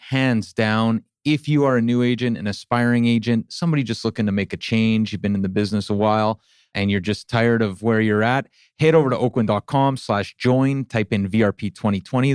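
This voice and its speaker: A man's voice: medium pitch, darkish tone, clean tone, no echo. A man co-hosting a podcast in a conversational style, speaking close to the microphone. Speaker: podcast co-host.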